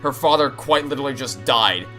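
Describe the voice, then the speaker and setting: A man's voice: mid-range voice, a little fast, bright, forceful tone, soft background music. A man giving casual, chatty game commentary in a ranting, exasperated, sweary way. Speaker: gaming streamer playing through a game.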